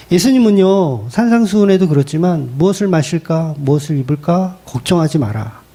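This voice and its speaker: A male pastor giving a colloquial, animated sermon and acting out quoted lines. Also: high-pitched.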